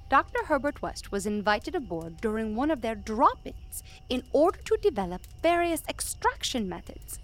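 An actress playing a formal, oddly literal storyteller who talks in pompous, over-precise phrasing. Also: female voice, on the high side.

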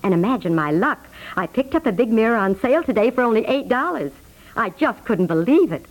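A woman's voice: a little high, lively intonation, a little fast, low-quality recording. A woman playing a breezy, thrifty, self-satisfied neighbor lady, gushing and emphatic in an American accent, in 1950s radio comedy style. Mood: gushing, pleased. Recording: vintage 1950s radio broadcast.

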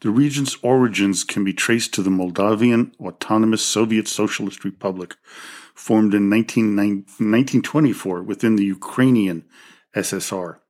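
A man reads out a scripted history narration for his podcast in a fairly low, steady voice. Now and then he trips on a word and corrects himself before moving on. He sounds close to a podcast mic. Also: normal speed. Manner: reads from a script with small slips and self-corrections. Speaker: podcast host.

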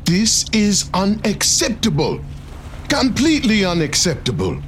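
A fussy, stern skipper played by an actor in an audio drama. The delivery is formal and slow with animated pitch, over faint boat noise. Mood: indignant. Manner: formal, clipped, indignant.

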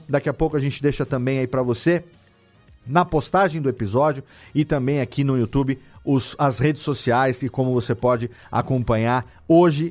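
Higher-pitched Brazilian man hosting a podcast. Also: darkish tone. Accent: Brazilian Portuguese. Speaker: podcast host. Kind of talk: casual podcast interview.

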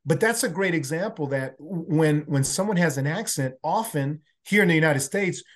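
A man's voice: a little high, expressive, moderate pace. A man from El Salvador with a faint Salvadoran Spanish accent, a native Spanish speaker, talking earnestly as a podcast guest and often restarting his words. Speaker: podcast guest, workplace learning consultant. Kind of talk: casual interview talk.

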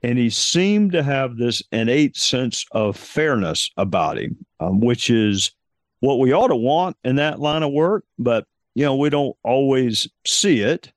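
A man hosts an interview podcast in a calm, measured voice. He speaks thoughtfully, with pauses and a few fillers. The sound is dry and close, with no room echo. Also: mid-range voice. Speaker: podcast host. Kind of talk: conversational interview.

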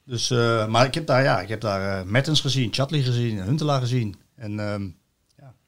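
A man's voice: mid-range voice, moderate pace. A Dutch man in casual football chat, telling long stories with many restarts and fillers.

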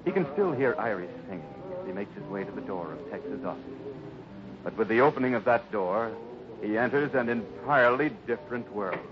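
A man narrating a 1950s radio drama in a solemn, theatrical style with deliberate phrasing. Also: on the low side, animated, background noise. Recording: dull old radio, loud music behind.

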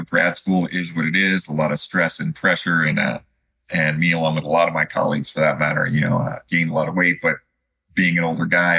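A man in his fifties from Chicago, answering as a podcast guest in a conversational, halting and reflective way. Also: low voice, pushed and bright, slightly rough. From Chicago, United States. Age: 50s. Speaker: podcast guest, student physical therapist.

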